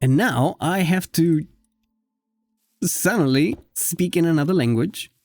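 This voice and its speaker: A man whose first language is Spanish, speaking English in an unscripted casual gaming vlog with a self-conscious, halting manner. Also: fairly high pitch, expressive, darkish tone, dry recording. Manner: self-conscious, halting, often giggling at own slips. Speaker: video creator. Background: background music.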